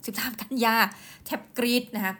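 A woman hosting her own show, telling a personal story in a casual, animated way, with quick asides and exclamations, and often speaking straight to her listeners. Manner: chatty, animated, often addresses listeners directly. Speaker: host.

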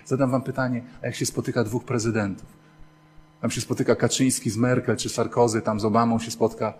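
A man delivers a sermon as a priest, his mid-pitched voice swinging between soft asides and loud bursts. He tells humorous stories with animation and acts out the voices of the people in them. Faint noise sits behind the recording. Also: brisk. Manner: animated storytelling with playful humor, acting out voices.

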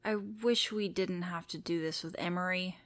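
A woman's voice: lowish voice, steady tone, moderate pace, dry recording, lightly acted. A woman playing a protective, serious friend in an audio drama, firm and earnest.

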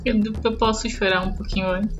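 A woman's voice: mid-range voice, steady tone, brisk, music in the background. A woman with a Brazilian accent chatting casually as a player in a tabletop game.

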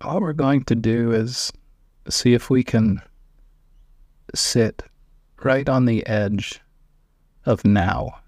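A man guiding a meditation in a calm, measured manner, speaking in short, sparse phrases with long pauses, close to the microphone. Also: mid-range voice, dry recording. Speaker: meditation guide. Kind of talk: guided meditation.

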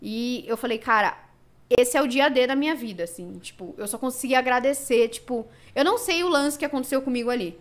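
Brazilian woman, fairly high voice, candid emotional storyteller for a casual podcast chat. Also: brisk. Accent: Brazilian Portuguese. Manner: emotional, animated storytelling with many fillers. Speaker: podcast guest.

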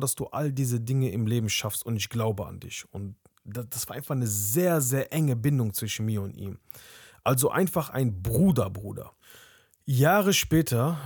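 A young man speaks at a middle pitch in a candid, conversational podcast voice and tells a personal story. His voice is close and dry, with no room sound around it. He keeps tagging his sentences with a little questioning aside. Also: dry recording. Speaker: podcast host.

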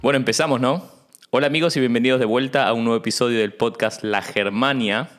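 A man's voice: medium pitch, fairly even intonation, fast, a bit bright, faint music behind. A man with a Rioplatense Spanish accent hosting a podcast in a casual chat, asking easygoing questions. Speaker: podcast host.

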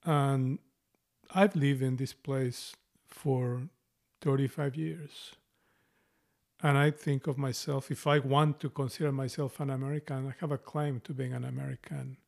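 A man's voice: medium pitch, steady tone, measured pace, creaky, a little mellow. A middle-aged man with a strong Mexican Spanish accent, co-hosting a casual book talk and often restarting his phrases. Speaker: podcast co-host.

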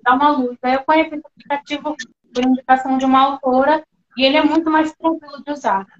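A woman's voice: high-pitched, fairly even intonation, fast, a little hiss or hum. A woman from Rondônia, Brazil, an author talking as the guest of a live-stream interview, chatty and self-deprecating. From Porto Velho, Rondônia, Brazil. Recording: dull lo-fi audio.

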